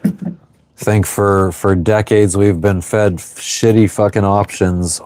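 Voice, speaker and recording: Reading viewer comments on a casual livestream, this thirty-something man answers offhandedly from his anchored sailboat and doesn't hold back on swearing. His pitch is fairly low and his tone steady and slightly mellow. He speaks slowly, with no echo.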